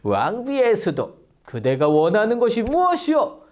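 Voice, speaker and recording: A woman's voice: fairly high pitch, huge pitch swings, normal speed, darkish tone. Woman doing an eager curious king. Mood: stately.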